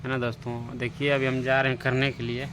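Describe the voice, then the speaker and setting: Male vlogger, slightly high voice, casual, outdoor phone audio with steady noise. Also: brisk. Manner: lively, coos to animals. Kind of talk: casual vlog narration. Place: rural farmyard outdoors.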